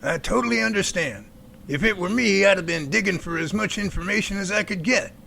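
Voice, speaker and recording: Bright, creaky, folksy professor played by a man. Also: high voice, a little fast, slight background noise, heavily acted. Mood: friendly. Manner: folksy, courteous phrasing. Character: genial middle-aged professor running a Bigfoot research center. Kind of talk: amateur audio drama dialogue.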